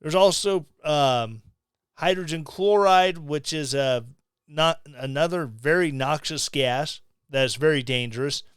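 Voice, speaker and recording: Slow, sarcastic middle-aged man ranting. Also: fairly high pitch, a bit bright, smooth, dry recording, clean studio sound. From Missouri, USA. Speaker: podcast host. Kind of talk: opinion commentary. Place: small home room. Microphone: studio mic on stand, close.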